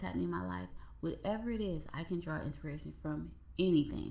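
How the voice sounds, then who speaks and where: A woman at a fairly quick pace with audible room echo. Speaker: podcast host and songwriter. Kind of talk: casual monologue. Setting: at her workplace on lunch break. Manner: soft-spoken.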